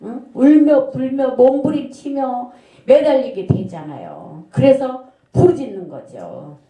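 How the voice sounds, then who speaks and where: A woman's voice: high voice, sing-song, unhurried, dark tone. Woman pastor preaching in an echoey church. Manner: earnest, storytelling with rhetorical questions. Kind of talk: sermon. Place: church sanctuary.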